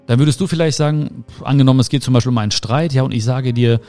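A young adult man hosts a podcast, delivering reflective advice in a casual monologue aimed straight at the listener and acting out little dialogues along the way. His mid-range, darkish voice races along, with faint music in the background.

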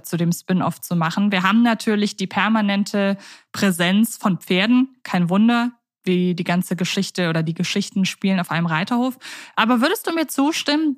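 A woman's voice: medium pitch, no echo, clean studio sound. A woman co-hosting a podcast in a conversational style, phrasing things in a wordy, careful way. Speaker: podcast host.

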